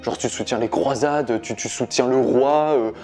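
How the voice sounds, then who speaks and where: A man's voice: mid-range voice, moderate pace, warm tone, soft background music, natural voice. A man doing a sneering amateur historian. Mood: mocking. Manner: mocking, accusing questions. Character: sneering know-it-all male amateur historian.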